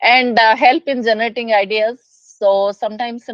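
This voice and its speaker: A woman is talking. She keeps a moderate pace. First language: not English. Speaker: conference speaker. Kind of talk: conference talk. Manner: halting, many fillers.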